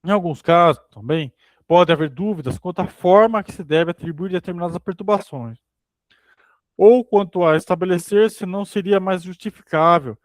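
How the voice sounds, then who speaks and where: A man reading a philosophy book aloud for a study group, steady but sometimes stumbling and rereading phrases. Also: high voice, no echo.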